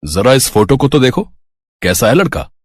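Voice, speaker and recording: A man's voice: medium pitch, big pitch swings, normal speed, a little hiss or hum, natural voice. A man voicing an easygoing, teasing middle-aged father and husband in a storybook tale. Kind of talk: storybook voice acting.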